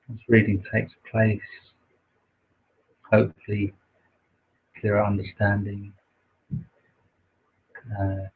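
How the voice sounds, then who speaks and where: A soft-spoken man with a naturally quiet voice, hosting a livestream and slowly reading a spiritual text, with many pauses and fillers. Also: fairly low pitch, breathy edge. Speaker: livestream host reading aloud. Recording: dull lo-fi livestream audio.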